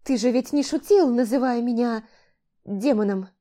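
A woman's voice: fairly high pitch, moderate pace, mellow, voice pushed up, close to an everyday voice. A woman voicing a young fantasy heroine who pleads emotionally in a raised, strained voice. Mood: pleading. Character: young heroine, frightened and indignant. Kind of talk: audiobook character voicing.

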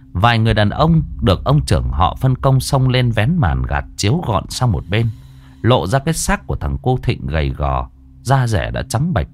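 A man narrating a ghost story in a lively, expressive way. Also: on the low side.

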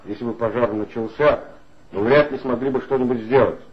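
An actor playing a calm, terse police commissioner in a 1960s radio play, speaking matter-of-factly. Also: male voice, medium pitch, fairly quick, lo-fi sound, lightly acted.

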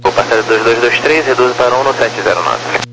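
A man's voice: mid-range voice, fast talker. A man with a Brazilian accent giving clipped approach control instructions over aviation radio. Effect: aviation radio transmission. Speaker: approach air traffic controller. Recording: noisy crackly aviation radio.

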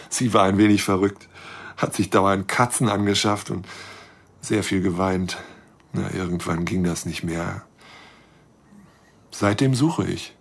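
An actor playing a lonely, shy, trusting astronomer in an intimate radio drama monologue, speaking haltingly and earnestly. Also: male voice, sits low. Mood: rueful.

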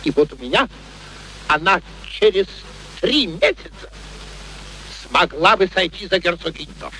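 An actor playing an arrogant, excitable gentleman professor of phonetics in a radio play, declaiming pompously with precise diction. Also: high-pitched, a little slow, exaggerated voice. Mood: haughty. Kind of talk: theatrical radio play acting. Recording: noisy vintage radio play recording.

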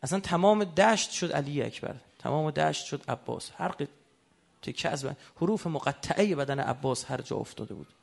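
A man's voice: a little high, lively intonation, gravelly. A man giving a religious sermon who keeps putting rhetorical questions to his audience. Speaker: religious lecturer.

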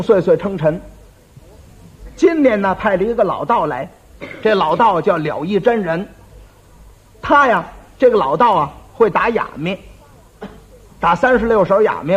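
A man's voice: high-pitched, slightly rough. A man performing traditional crosstalk. He tells the story with a stammering, teasing back-and-forth. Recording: dull lo-fi old recording.

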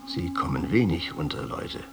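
Radio play role: insistent, calculating rich jeweler, low gravelly voice, quietly threatening. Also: male voice, expressive, moderate pace, over loud music. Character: insistent, menacing wealthy male jeweler with a pistol. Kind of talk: radio drama acting.

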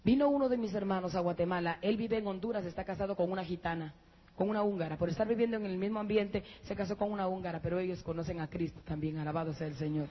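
A husky, breathy woman gives a fervent testimony from a church pulpit, her voice climbing high whenever the story heats up. The recording is muffled and lo-fi, dulling the top of her voice. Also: quick pace. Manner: emotional, addresses listeners as brothers, rises to high excited peaks.

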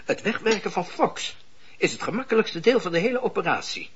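An actor playing a cynical, bossy political schemer in a radio drama, speaking emphatically and with sardonic bite. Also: male voice, sits high, very animated, fairly quick, breathy edge, full character voice. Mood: sardonic, scheming. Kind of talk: Dutch radio drama acting. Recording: dull lo-fi radio recording.

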